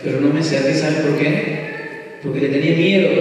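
Earnest storytelling preacher in an echoey hall. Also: male voice, on the high side. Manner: earnest, vivid storytelling with dramatic pauses. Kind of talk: storytelling sermon. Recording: echoey hall, distant mic, soft music.

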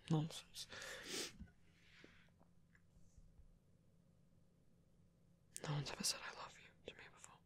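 Man playing a breathy wounded villain, softening. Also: fairly high pitch. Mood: wistful, musing. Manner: halting, murmured, formal phrasing. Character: wounded male villain, flustered, softening, tender toward rescuer. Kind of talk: intimate ASMR roleplay.

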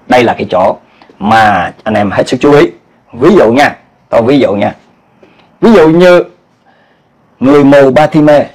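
A man preaching a sermon as pastor, with a Southern Vietnamese accent, animated, asking the congregation questions and acting out quoted cries. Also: mid-range voice, poor audio.

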